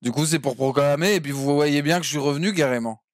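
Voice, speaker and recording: A man's voice: fairly high pitch, fast, dry recording. A man streaming a roleplay game as a cheeky defendant, talking in slang and laughing often. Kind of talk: in-character roleplay chat.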